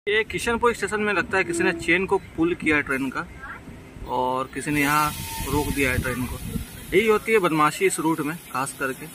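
Young man vlogging aboard a rumbling train. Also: animated, normal speed. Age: young adult. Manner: chatty, explains routes and timings to viewers. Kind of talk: casual travel vlog commentary. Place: inside a moving train and on a station platform. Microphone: phone camera at arm's length. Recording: loud train rumble and platform crowd.

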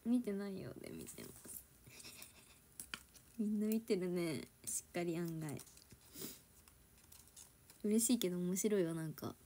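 A woman's voice: on the low side, big pitch swings, unhurried, pauses often, warm tone, a little hiss or hum. Giggly young Kansai woman livestreaming. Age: young adult. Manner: giggly, switches between standard Japanese and Kansai dialect. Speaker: idol livestreamer. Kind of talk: casual livestream chat with viewers. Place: home.

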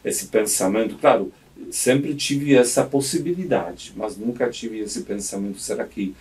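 A man's voice: fairly low pitch, a little slow, darkish tone, recorded from a distance. A man in his fifties, a bishop from Poland with a Polish accent, speaking in a radio studio interview, reflective and hesitant with many restarts. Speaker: auxiliary bishop. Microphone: studio mic on boom arm.

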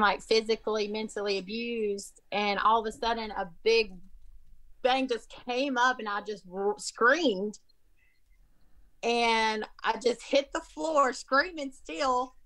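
A middle-aged woman from Alabama with a hoarse voice, telling her testimony excitedly on a video call. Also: a little high, takes it slowly, poor audio. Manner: excited, emphatic, repeats herself. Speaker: Zoom caller sharing a testimony. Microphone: laptop webcam video call.

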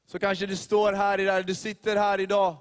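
Man, youth leader, sermon, high voice, steady even pitch, repetitive emphatic preaching, long reverberant church hall. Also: smooth.

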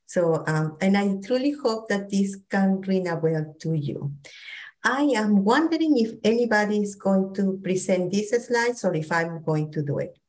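A middle-aged woman from Peru with a thick Peruvian Spanish accent, presenting a training talk on a video call, pausing often with fillers and restarts. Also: mid-range voice, animated, low-quality recording. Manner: warm, hesitant with many fillers and restarts. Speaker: psychologist presenter.

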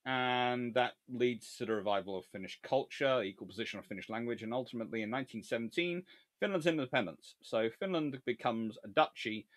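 A man's voice: medium pitch, a little fast. A man giving a long, digressive history lecture on a livestream, sarcastic and openly exasperated at blunders.

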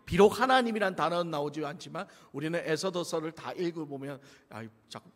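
A man's voice: fairly high pitch, a little fast. A man with a Gyeongsang Korean accent preaching a sermon, joking and telling the story with laughs, heard with long church reverb. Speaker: pastor. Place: church sanctuary.

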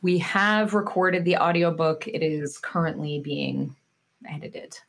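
A woman's voice: sits low, a little slow, gravelly. A woman in her forties, a guest author in a podcast interview, talking in a chatty way with lots of fillers. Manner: chatty, with many fillers and restarts. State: slightly nasal from losing her voice.

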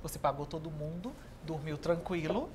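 A woman's voice: sits low, normal speed, darkish tone, a little hiss or hum. A woman in her thirties with a Brazilian accent, hosting an interview in a chatty, agreeable way. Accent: Brazilian Portuguese. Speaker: talk show host. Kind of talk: interview chat. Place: pink decorated studio set, indoors.

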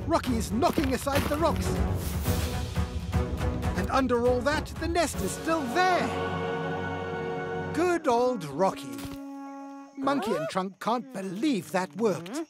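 Kids cartoon narrator, super animated up and down, takes it slow, reacts out loud, loud music behind. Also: sits high. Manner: expressive, reacting aloud to the action with exclamations. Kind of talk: children's cartoon storytelling narration.

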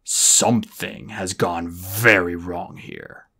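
A man voicing a huge, scornful black male dragon who speaks slowly, coldly and with venom. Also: deep voice, steady tone, vocal fry, pushed and bright, voice pushed down, heavily acted. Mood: menacing. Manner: slow, cold, venomous.

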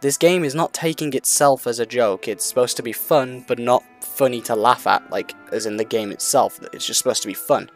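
A man's voice: medium pitch, fairly quick, few pauses, soft background music. A man giving unscripted, casual commentary on a video game in a rambling, hesitant way, often repeating himself.

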